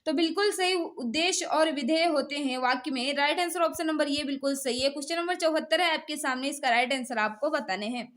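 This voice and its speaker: High-voiced Indian woman teaching a quiz. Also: a little fast, hardly any pauses, fairly bright tone. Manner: repetitive, instructional, prompting students. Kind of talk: live exam quiz lesson, reading questions and giving answers.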